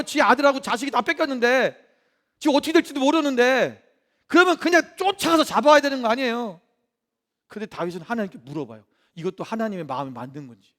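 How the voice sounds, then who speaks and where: Very high-voiced male pastor preaching. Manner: lively, asks the congregation questions and acts out quotes. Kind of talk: sermon. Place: church.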